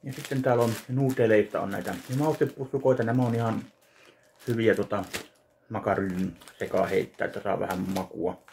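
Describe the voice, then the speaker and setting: A man in his thirties from Finland, casually narrating an unboxing of a fan package in his home kitchen, speaking slowly and haltingly to a webcam. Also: lowish voice, fairly even intonation, vocal fry, darkish tone, slight background noise. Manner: slow, halting, listing items one by one. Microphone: webcam at desk distance.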